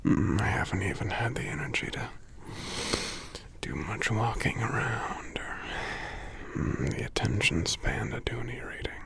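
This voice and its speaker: A man playing a sick, gentle giant lover in an ASMR roleplay, murmuring drowsily and tenderly in a breathy whisper with gravelly hums. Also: fairly low pitch, expressive, exaggerated voice. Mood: weary, affectionate. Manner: slow, tender, halting, murmuring hums between phrases. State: drowsy, under the weather.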